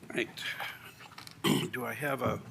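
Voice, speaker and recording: An American man chairing a formal council meeting in a brisk, businesslike manner. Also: mid-range voice, fairly even intonation, gravelly, fairly bright tone, a little hiss or hum. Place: council chamber.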